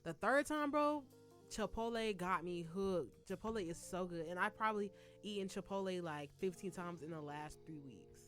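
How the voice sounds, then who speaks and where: A young woman co-hosting a casual college radio chat, animated and quick to laugh, full of slang. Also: lowish voice, soft background music. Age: young adult. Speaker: co-host. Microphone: studio mic.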